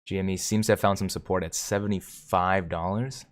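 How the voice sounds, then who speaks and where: A man hosting a live stream, commenting on stock charts and reading viewer comments aloud with excitement. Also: sits low, a little fast. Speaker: livestream host.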